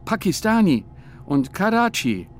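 A man voicing a timid, bewildered middle-aged foreign man who speaks in halting broken phrases. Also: mid-range voice, slight background noise, voice pushed up.

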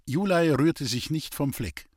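A man's voice: a little high, animated, a little slow, husky, no echo. Man narrating a story, dry sound. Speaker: audiobook narrator. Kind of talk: scripted narration.

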